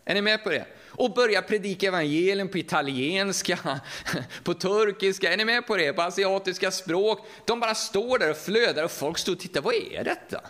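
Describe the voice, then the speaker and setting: This Swedish preacher, middle-aged and speaking with a Västergötland accent, keeps his sermon lively and conversational by frequently putting questions to the audience. He has a high-sitting voice.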